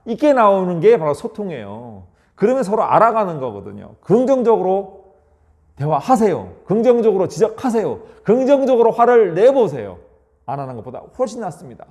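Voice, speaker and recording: A man's voice: big pitch swings, a little fast, a little mellow. A man giving a lecture on communication between married couples, acting out short spousal exchanges and often asking listeners to agree. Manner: acts out short spousal dialogues with exaggerated pitch; frequently seeks agreement from listeners. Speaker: leadership lecturer.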